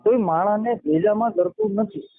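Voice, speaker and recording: A man's voice: very high-pitched, huge pitch swings, normal speed, vocal fry, no echo. A man calling in, who keeps agreeing eagerly and praises the poets' verses. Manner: eager agreement, repeating one hundred percent. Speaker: caller. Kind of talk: phone call discussion. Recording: dry tinny phone line.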